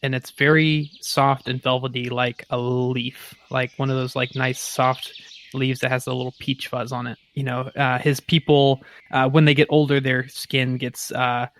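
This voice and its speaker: A man's voice: medium pitch, level tone, fairly bright tone. Thoughtful man describing his game character. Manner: thoughtful, halting, rephrasing as he goes. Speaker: player in a tabletop role-playing game.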